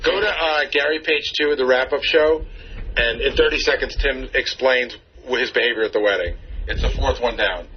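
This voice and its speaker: A man briefs casually on air as a radio producer. His voice is medium in pitch, coming through a muffled lo-fi recording with slight background noise. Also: normal speed. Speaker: radio producer introducing clips. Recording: dull lo-fi radio with faint noise.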